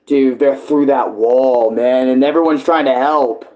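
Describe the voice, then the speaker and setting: A man's voice: medium pitch, fairly even intonation, a little slow, mellow. A man giving casual, rambling reaction commentary as host, slangy and loose with swearing.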